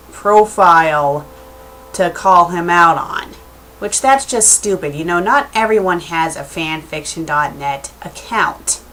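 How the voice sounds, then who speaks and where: A woman's voice: fairly low pitch, fairly bright tone, slight background noise, low-quality recording. A woman giving a casual video message as an online critic, speaking in an emphatic, indignant way. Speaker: online fan fiction critic.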